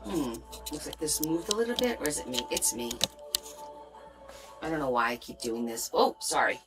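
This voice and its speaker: A woman's voice: sits low, moderate pace, music in the background. A woman from Portugal raised in New Jersey, with a light New Jersey accent, hosting a casual crafting livestream and chatting with viewers. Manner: chatty, reads viewer comments aloud, lively rises and soft asides. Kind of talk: casual chat while crafting.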